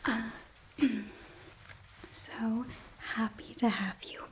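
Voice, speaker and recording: A young woman voicing a sweet, earnest demon princess in an ASMR roleplay, breathy and often whispering, with nervous, eager optimism. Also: a little high, fairly even intonation, extremely slow. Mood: eager, soothing. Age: young adult. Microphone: close microphone.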